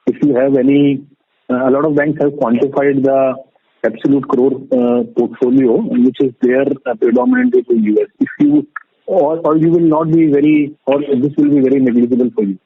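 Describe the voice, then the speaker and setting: Dry phone audio, man, Indian accent, husky, medium pitch, polite tentative analyst questions. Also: moderate pace, no room sound. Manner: polite, tentative phrasing with tags like "right". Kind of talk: spontaneous questioning on a conference call. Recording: dry, tinny phone line.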